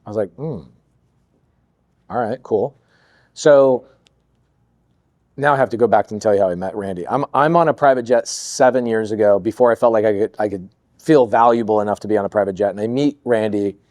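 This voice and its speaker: A man telling stories as a guest on a podcast, lively and acting out quoted lines in other voices. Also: fairly low pitch, a little fast, pauses often, dry recording, clean studio sound. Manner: animated storyteller, acts out quoted voices. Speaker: podcast guest, real estate investor. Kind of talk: storytelling interview chat.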